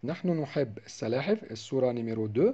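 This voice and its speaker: In an Egyptian accent, a man speaks at a medium pitch. His tone is dark and mellow. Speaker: French teacher. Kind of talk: tutorial.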